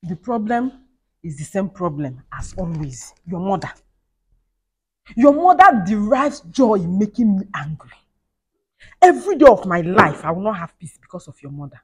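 A woman's voice: medium pitch, very animated, normal speed, husky. A woman playing a fiery young wife who rants and scolds, repeating herself. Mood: scolding. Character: fiery young wife feuding with her mother-in-law. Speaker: skit actor. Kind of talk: comedy skit acting.

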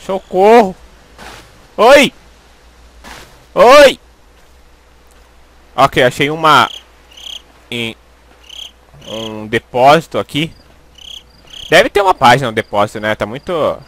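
A man's voice: medium pitch, sing-song, unhurried, pauses often, sharp tone. A young Brazilian man with a Brazilian Portuguese accent giving jumpy, swearing commentary as he plays a horror game into a headset. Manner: jumpy, swearing, panicky pleading. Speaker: gaming YouTuber.

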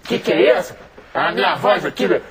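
A man co-hosting a radio show, his voice distorted lower to disguise it, protesting in bewilderment. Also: lively intonation, fairly quick, a crowd in the background.

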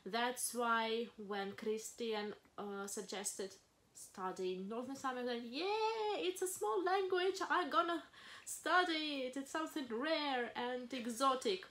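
A woman's voice: sits high, measured pace, a bit bright, slight background noise. A young woman from Ukraine, whose native languages are Russian and Ukrainian, co-hosting a casual vlog from a sofa, light and self-amused. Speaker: vlog co-host. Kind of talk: casual chat. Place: living room sofa, indoors. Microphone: camera in front of a couch.

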